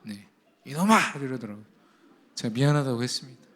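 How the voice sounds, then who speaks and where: Fairly high-voiced man preaching emphatically. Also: animated, normal speed. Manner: emphatic preacher who addresses the congregation directly; tells family anecdotes in a chatty way. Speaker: pastor. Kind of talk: sermon. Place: church sanctuary at a service.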